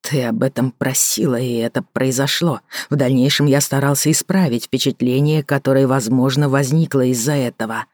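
A woman narrator voicing a calm, restrained man who speaks quietly and in a measured way. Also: extremely low pitch, no echo, clean studio sound. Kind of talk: audiobook character voicing.

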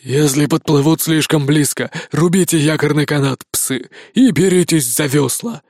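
A man's voice: fairly high pitch, moderate pace, a little mellow, no room sound, clean studio sound. A man voicing a cowardly, scheming male hyena who leads a gang, hissing and snarling his orders.

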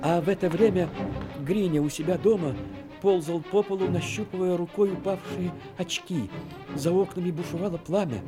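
A man narrating a Soviet war radio drama in a dramatic, measured literary storytelling manner. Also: sits high, music in the background.

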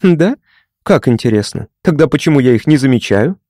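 A man's voice: medium pitch, animated, moderate pace, mellow, no room sound, clean studio sound, close to an everyday voice. A man voicing a polite, curious young woman psychiatrist who asks careful questions.

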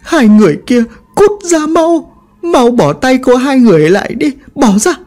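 A man's voice: very high voice, expressive, moderate pace, darkish tone, soft background music, pitched above the performer's own voice. A man voicing a frantic grieving widow who wails and shrieks in a horror story. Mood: hysterical wailing. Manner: shrieking, wailing, pleading.

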